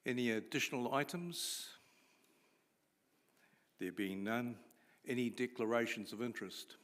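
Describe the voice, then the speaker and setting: A man with a New Zealand accent chairing a council committee meeting, procedural and halting with fillers, at a desk microphone in a large chamber. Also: medium pitch, fairly bright tone. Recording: long reverb of a council chamber.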